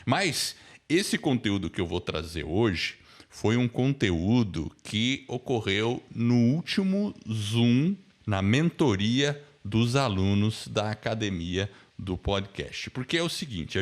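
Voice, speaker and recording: Brazilian male course host, low-pitched, informal and conversational. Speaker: podcast course host and mentor. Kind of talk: casual spoken introduction to an online lesson.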